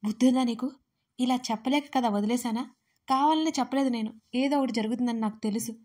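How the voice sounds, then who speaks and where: A woman voicing a stern, short-tempered young man who scolds loudly and speaks curtly. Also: on the high side, flat delivery, fairly quick, close to an everyday voice. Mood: scolding. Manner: scolding, loud and curt.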